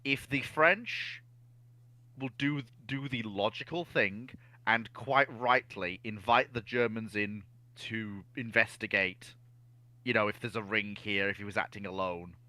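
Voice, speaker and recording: A man with a fairly low, forceful voice, recorded dry. He talks analytically but informally as a panelist, setting out his reasoning point by point. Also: measured pace, dry recording, poor audio. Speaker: history discussion panelist. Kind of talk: casual analytical discussion.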